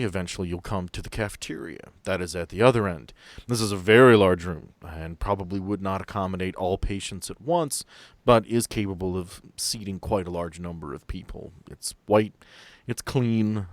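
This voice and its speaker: A man's voice: sits low, no room sound. A man narrating a tabletop role-playing game as game master, describing rooms at an easy pace.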